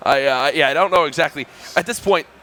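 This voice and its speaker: A male esports commentator with a fairly high, bright, forceful voice talks quickly, trading easygoing jokes with his co-caster. It's casual banter while they wait between matches.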